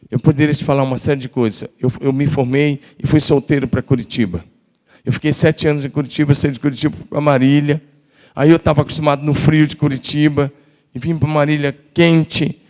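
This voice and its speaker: A man's voice: mid-range voice, a little mellow. A middle-aged man preaching a sermon in a large church, telling personal stories and building to emphatic exhortation. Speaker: pastor.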